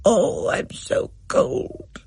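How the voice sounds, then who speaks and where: A man voicing a cage of eerie, moaning budgerigars in a storybook reading, drawn out slowly and plaintively. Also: darkish tone, dry recording. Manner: slow, drawn-out plaintive wail.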